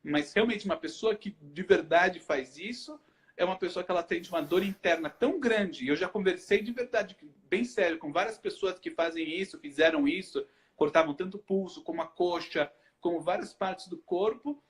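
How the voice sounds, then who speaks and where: A Brazilian hypnotherapist hosts a casual live chat, explaining things by posing rhetorical questions and then answering them himself. His voice is high-pitched and his pace moderate.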